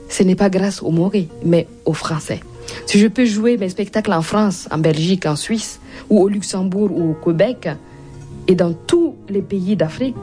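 A woman's voice: lowish voice, dark tone. A woman from Burkina Faso with a Burkinabé accent, a Mooré speaker, guest author and comedian reading and talking in an interview.

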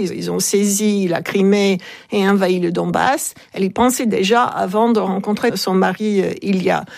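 A woman's voice: medium pitch, creaky. A woman, the author of a book, telling her subject's story in a radio interview, speaking conversationally with frequent hesitations.

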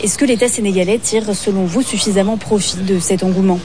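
A woman correspondent asking interview questions in a clear, measured way. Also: medium pitch, steady tone, dark tone.

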